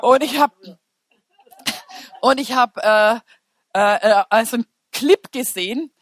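A woman preacher giving an informal, humorous sermon in an animated, colloquial storytelling manner. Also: fairly high pitch, measured pace, no echo.

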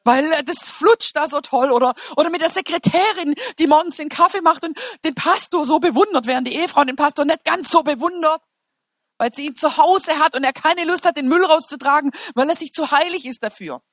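A woman preacher giving an informal, humorous sermon in an animated, colloquial storytelling manner. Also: high-pitched, brisk, dry recording, clean studio sound.

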